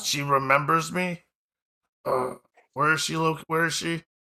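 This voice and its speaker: A moderately paced, put-on character voice from a man, fairly high-pitched. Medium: actual play. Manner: blunt, ungrammatical street talk.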